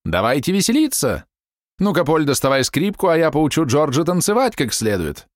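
A man voicing a quarrelsome woman in her forties, shrill and indignant as she nags and complains. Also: very animated, normal speed, no room sound, clean studio sound.

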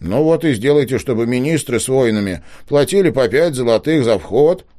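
A man's voice: mid-range voice, animated, normal speed, mellow, voice pushed up, lightly acted. A man voicing a blunt, hot-headed boy who blurts things out. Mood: indignant.

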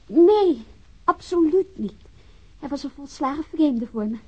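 A guarded female witness in a radio play, with a high voice. She is hesitant, evasive and coolly polite, on a slightly muffled lo-fi recording. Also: lively intonation, a little slow, a little mellow. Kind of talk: radio drama acting. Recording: dull lo-fi radio drama recording.

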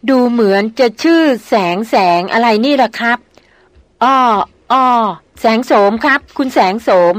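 A woman's voice: fairly high pitch, expressive, a little slow, no echo. A woman voicing an old male jungle hunter and loyal servant who tells gossip politely and deferentially in an audiobook. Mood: gossipy. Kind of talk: audiobook character reading.

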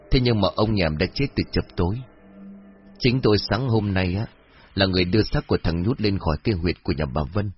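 A man's voice: low voice, breathy edge, no room sound. A man voicing a serious, earnest young village man. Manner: grave and earnest. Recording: dull lo-fi audio with faint music.

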